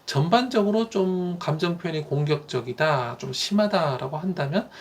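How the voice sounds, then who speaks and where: A man who teaches elementary school gives parents calm, explanatory advice, with frequent "uh" fillers. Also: on the high side, moderate pace.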